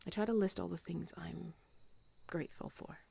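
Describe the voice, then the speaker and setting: A woman playing an affectionate, playful companion on a moonlit walk in an intimate ASMR role-play, with a soft, breathy voice. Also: fairly low pitch, fairly even intonation, normal speed, no echo, full character voice. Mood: gentle, reflective.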